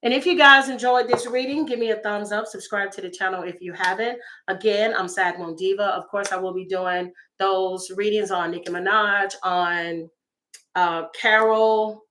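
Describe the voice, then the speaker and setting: A woman with a slightly raspy voice, chatting through a tarot reading for her viewers with exclamations and asides. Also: medium pitch, fairly even intonation, moderate pace, a bit bright, a little hiss or hum. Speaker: tarot reader.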